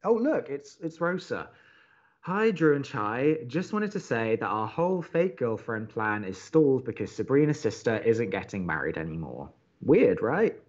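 A man playing a conciliatory young college radio co-host in an audio drama, placating and a little hesitant, expressive when reading aloud. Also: mid-range voice, normal speed, highs cut off, faint music behind. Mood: reading letters.

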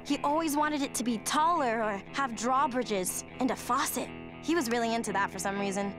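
A bold, protective young girl in a cartoon who tosses out threats with bluster, as a woman voices her. Her voice sits high, with loud music behind it. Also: moderate pace, natural voice. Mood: storytelling. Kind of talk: cartoon voice acting.

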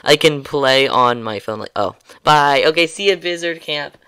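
Wrapping up his livestream, a man who streams games talks in a slightly high, animated voice at a moderate pace, his tone sharp and clean. He rambles casually, trips over his words, restarts many times, fills gaps with ums, and lets out small chuckles throughout.

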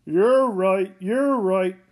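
A woman voicing an earnest father in a comic read-aloud, with her voice lowered. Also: very slow, darkish tone. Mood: easygoing. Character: adult father, easygoing then desperate.

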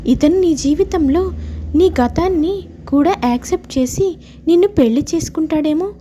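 A woman voicing a protective, persuasive young woman who speaks frankly and insistently for her friend in an animated moral story. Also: very high voice, normal speed, a little hiss or hum, pitched above the performer's own voice. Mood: urging.

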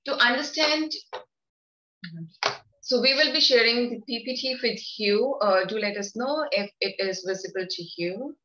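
A middle-aged woman with an Indian English accent gives a formal law course lecture from an office, speaking deliberately with hesitant fillers over a shared webcam mic on a video call. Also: a little high, pushed and bright. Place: office, seated at a desk beside a colleague. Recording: roomy, dull video-call audio.

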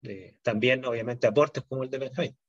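A man's voice: mid-range voice, fairly quick, no echo, highs cut off. A middle-aged man lecturing on chemistry to a university class, explaining step by step and checking in with his students often. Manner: explanatory, frequent "¿no es cierto?" and "¿ya?" check-ins.

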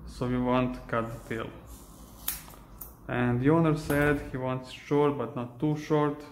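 A young man with a Serbian accent, a dog groomer chatting casually while he works, halting and searching for English words. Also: medium pitch, steady tone, a little hiss or hum. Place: indoor grooming room. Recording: echoey room.

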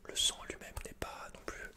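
Young guy whispering asmr roleplay, halting and low-key, right up on the mic. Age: young adult. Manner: hesitant, halting, understated delivery. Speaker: ASMR roleplayer playing a shopkeeper.

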